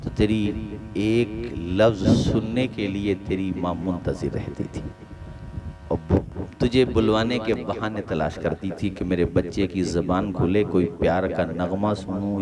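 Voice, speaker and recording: A male preacher giving an emotional sermon, building to loud fervent peaks and calling on the listeners to answer. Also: mid-range voice. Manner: impassioned, rises to loud emotional peaks and urges the crowd to respond. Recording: live event with crowd responses. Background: crowd.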